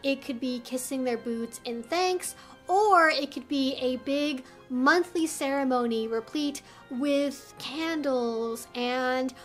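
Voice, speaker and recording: Female explainer host, high register, articulate and earnest delivery, light music bed. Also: slow. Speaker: video host, educator. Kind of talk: explainer video to camera, semi-scripted.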